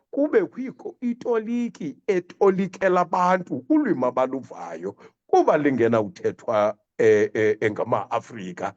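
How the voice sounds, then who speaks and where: Xhosa accent guy on radio, earnest, stop-start, very animated pitch, muffled line. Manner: halting, with many repeated hesitations. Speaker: radio show guest. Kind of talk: earnest spoken commentary. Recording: dull, lo-fi line.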